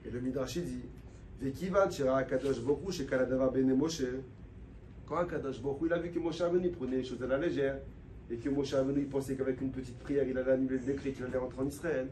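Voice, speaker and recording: A man's voice: fairly even intonation, racing, recorded from a distance. Man, rabbi, sermon, impassioned, repeats for emphasis, roomy echo, faint room hum. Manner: impassioned, swings from low and quiet to loud and high; addresses the listeners directly, repeats phrases for emphasis. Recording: echoey room with faint background ambience.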